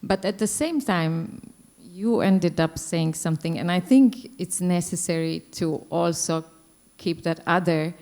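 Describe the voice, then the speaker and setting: A woman's voice: lowish voice, fairly even intonation, measured pace, few pauses, a little mellow. A woman speaking on a discussion panel, thoughtful and hesitant, with many fillers. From Croatia. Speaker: panelist, dance company director.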